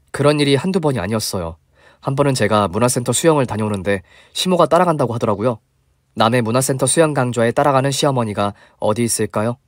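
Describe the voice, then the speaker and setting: Narrator: man, mid pitch, confiding story read, dry close recording. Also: no room sound.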